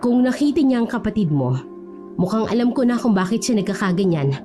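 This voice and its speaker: Woman playing an older village healer, commanding, grave, mellow. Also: fairly high pitch, sing-song, brisk, soft background music. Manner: grave, instructing.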